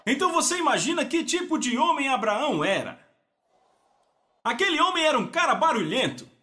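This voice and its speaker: Male preacher: very high, lively voice, emphatic Pentecostal delivery. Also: fairly quick. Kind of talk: Pentecostal sermon.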